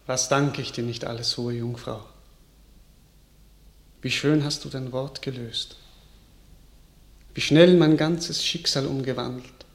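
A man's voice: medium pitch, fairly even intonation, slow, long pauses. An actor playing a gracious, grateful medieval king, declaiming classical verse in a stately way for a radio drama.

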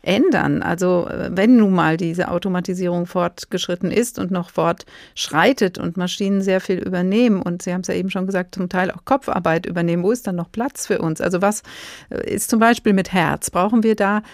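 A woman hosting a radio interview who asks measured, probing questions. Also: lowish voice, creaky, darkish tone, no room sound, clean studio sound. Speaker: radio host.

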